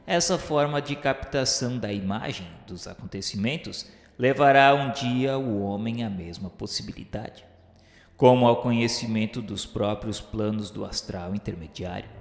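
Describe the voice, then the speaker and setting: A Brazilian man narrating a radio novel in a solemn, formal, declamatory dramatic style. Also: fairly low pitch. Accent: Brazilian Portuguese. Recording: very echoey hall reverb over music. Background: background music.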